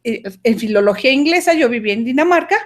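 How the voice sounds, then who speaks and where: A woman from Mexico and Denmark telling a personal story over a video call, animated and emphatic, often correcting herself mid-sentence. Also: sits high, quick pace.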